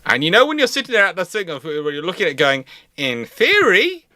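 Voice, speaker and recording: A man's voice: high voice, huge pitch swings, a little fast, sharp tone, no room sound. A man chatting casually as a livestream host, rambling and venting with exasperation.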